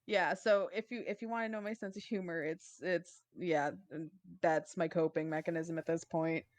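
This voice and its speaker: A woman's voice: lowish voice, steady tone, normal speed, a little mellow, dry recording. A woman co-hosting a podcast in casual chat, thinking aloud in a hesitant, reflective way. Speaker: podcast co-host. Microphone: headset.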